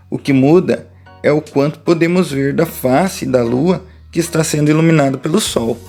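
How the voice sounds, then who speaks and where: Gravelly Brazilian male teacher. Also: a little high, a little mellow. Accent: Brazilian Portuguese. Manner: casual explanatory, addressing pupils directly. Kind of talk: remote lesson walkthrough.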